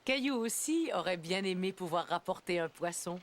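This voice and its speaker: A woman narrating a children's cartoon in a calm storytelling manner. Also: on the low side, moderate pace, a little hiss or hum. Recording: music under narration.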